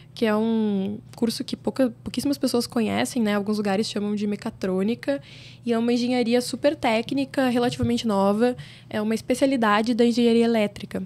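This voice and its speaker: An ordinary speaking voice, a woman's, fairly high in pitch and fairly quick in pace. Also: ordinary pitch variation, very clean recording, silent background. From southern Brazil, Rio Grande do Sul interior (Santa Rosa). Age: 30s. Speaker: fintech entrepreneur. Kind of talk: podcast interview. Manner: casual, many filler sounds.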